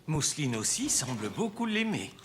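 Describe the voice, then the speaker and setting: An actor playing a kindly, obliging grown man, a neighbour who babysits, genial and gently expressive in a children's cartoon. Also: medium pitch, normal speed, a little hiss or hum, close to an everyday voice. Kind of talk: French children's cartoon dialogue. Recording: music behind.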